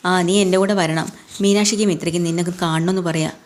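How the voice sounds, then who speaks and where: A woman's voice: fairly low pitch, steady tone, quick pace, natural voice. A woman voicing a stern middle-aged uncle who scolds and lectures his niece, reproachful in tone.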